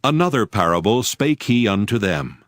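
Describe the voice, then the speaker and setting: A man's voice: fairly low pitch, very animated, moderate pace, dry recording, clean studio sound. A man narrating scripture from a script, as the narrator of a dramatized reading. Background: faint music behind the voice.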